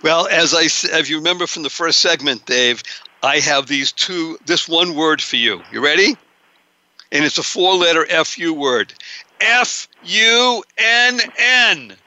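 A man's voice: on the high side, moderate pace, sharp tone, no echo, muffled recording. A man hosting a radio talk show, playful and enthusiastic with his guest. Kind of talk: radio interview.

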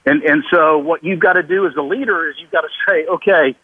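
Emphatic man with a higher-pitched voice. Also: breathy edge, narrow, tinny audio. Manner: emphatic, halting with repeated words, acts out quoted remarks. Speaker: interview guest, business author and consultant. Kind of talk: radio interview, conversational anecdotes and advice.

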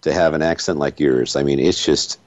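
Very deep-voiced man hosting an interview. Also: steady tone, normal speed, dry recording. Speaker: interview host. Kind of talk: conversational interviewing. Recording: slightly dull, dry audio.

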